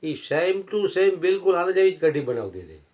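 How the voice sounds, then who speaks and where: Brief: male preacher acting a grieving old man past seventy, humble and tearful, voice pushed higher. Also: very animated, moderate pace, darkish tone, far from the mic.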